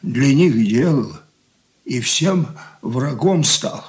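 An actor playing an aging stern merchant father in a radio drama, talking in a slow, heavy, brooding way. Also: medium pitch, expressive. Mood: despairing. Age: older. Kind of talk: 1980s studio radio drama acting.

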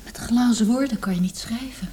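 An actress playing the concerned but firm wife of a poet, speaking intimately and softly in a literary radio drama. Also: female voice, on the high side, moderate pace, a little hiss or hum, natural voice. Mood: quiet concern.

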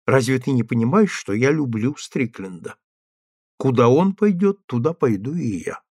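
A man voicing a calm, indifferent woman who speaks in a low, muted, flat tone. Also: moderate pace, no room sound, studio quality, lightly acted. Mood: cold. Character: cold, calm woman leaving her husband. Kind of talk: audiobook character reading.

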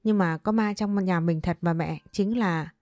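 A woman's voice: on the low side, measured pace, a little mellow, no echo, studio quality, natural voice. A woman voicing an earnest young man of twenty-seven who is haunted by a ghost, in a spoken ghost story. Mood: panicked.

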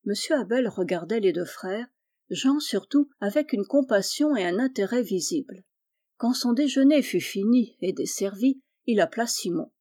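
Calm woman reading a classic novel. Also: mid-range voice, moderate pace. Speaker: audiobook reader. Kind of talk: storybook narration.

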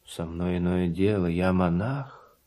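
An actor playing a gentle, pious monk who speaks courteous, measured verse in a classic radio drama. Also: male voice, low-pitched. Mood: pious, confiding.

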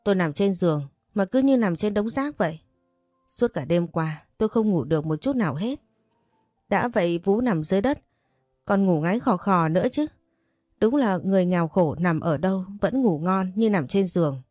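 A woman's voice: fairly low pitch, expressive, normal speed, mellow, no room sound, clean studio sound, faint music behind. A woman voicing a spoiled, whiny young woman guest who pleads and sneers, in a storybook. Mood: sneering.

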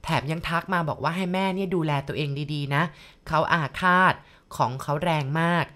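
A woman's voice: low-pitched, a little fast, bright, forceful tone. A woman narrating a ghost story in a polite manner, speaking directly to her listeners.

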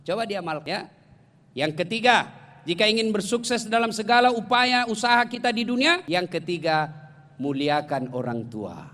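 A high-voiced male Islamic preacher delivers a humorous sermon to his congregation, telling stories in a jokey, animated way and speaking straight to the audience. A long reverb fills the hall.

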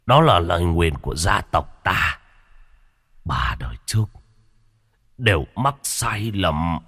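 A man's voice: sits low, big pitch swings, takes it slowly, a bit bright, slightly rough, in a large hall, exaggerated voice. A man voicing a tormented, dying old father whose strained words rise into anguished cries. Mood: grave confession. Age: older. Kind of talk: dramatic storytelling.

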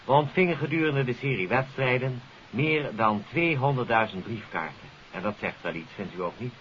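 A man's voice: medium pitch, animated, moderate pace, a bit bright. A man presenting on 1950s radio, addressing listeners in a formal, courteous, scripted announcement. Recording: hissy, dull 1950s radio recording.

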